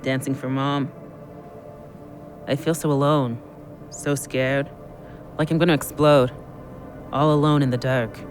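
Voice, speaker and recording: A man playing a reckless, drunken, unravelling Indigenous man in an audio drama, excitable and insistent. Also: mid-range voice, unhurried, pauses often, natural voice. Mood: brooding. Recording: music behind the voice.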